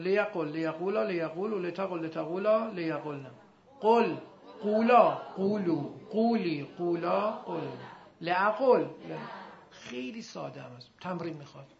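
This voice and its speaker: High, gravelly male teacher drilling conjugations. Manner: recites verb forms in a loud rhythmic chant, then drops to quiet asides; quizzes students with quick questions. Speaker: Arabic grammar teacher. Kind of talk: classroom lecture with chanted conjugation drills. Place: classroom. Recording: dull lo-fi recording with faint background noise.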